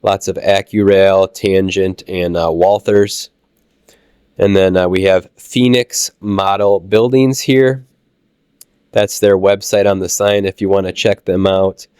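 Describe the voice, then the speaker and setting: A man with a Midwestern American accent, casually narrating a walk through a model train show, halting with fillers while he gets over a cold. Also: sits low, clean tone, no echo, studio quality. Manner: relaxed, halting with many "uh" fillers. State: recovering from a cold. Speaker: channel host touring a train show.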